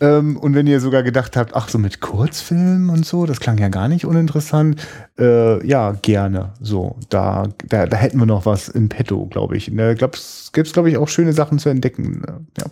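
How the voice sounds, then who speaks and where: A man speaks at a moderate pace with a dark, mellow tone, a medium pitch and lively intonation. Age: 20s. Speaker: film podcast co-host. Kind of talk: casual chat. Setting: video call.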